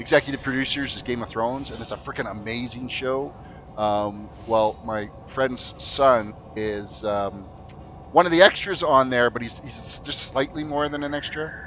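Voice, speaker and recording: This man speaks with a Canadian accent at a moderate pace, his pitch medium and its variation ordinary. His loudness swings widely while music plays in the background. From western Canada, Vancouver Island. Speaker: video game streamer. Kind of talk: casual live-stream commentary.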